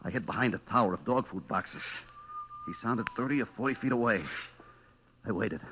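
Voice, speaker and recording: An actor with a near-everyday, mid-range voice, speaking a little fast, tells his story in the first person as a terrified, guilty man fleeing a vengeful butcher. The style is breathless 1940s–50s radio suspense, shifting from hushed dread to frantic cries. The old broadcast sounds dull and noisy, with dramatic music behind him.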